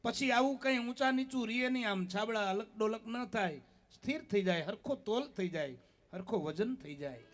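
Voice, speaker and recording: A man with a Kathiawadi Gujarati accent giving a devotional discourse full of folk stories, often checking in with his listeners with a quick "eh?". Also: sits high, lively intonation. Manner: keeps asking listeners "eh?" as a tag; folksy, storytelling delivery. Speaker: spiritual discourse speaker.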